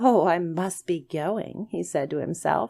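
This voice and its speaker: The voice carries vocal fry on a very clean recording with a silent background. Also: woman. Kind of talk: bedtime story narration, ASMR-style storytelling. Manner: calm, relaxed storytelling pace.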